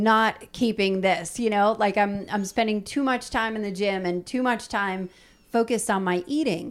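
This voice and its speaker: A woman with an American accent has an unremarkable speaking voice at a medium pitch and fairly even intonation. She goes at a moderate pace on a very clean recording with a silent background. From New Jersey. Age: 40s. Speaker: podcast coach. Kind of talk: interview.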